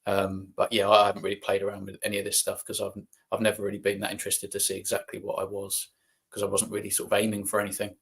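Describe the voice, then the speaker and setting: A man on a live health Q&A panel, speaking calmly and hedging his points over a call. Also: on the low side, fast talker, gravelly, breathy edge. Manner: calm, even, hedging. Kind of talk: live Q&A chat.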